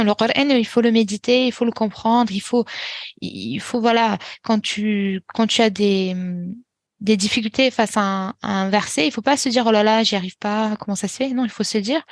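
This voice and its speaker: Woman, Quran teacher, podcast guest; calm instructive advice, middle pitch, dry studio sound. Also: no echo. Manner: calm and instructive, many small restarts and fillers. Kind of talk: podcast interview, giving advice.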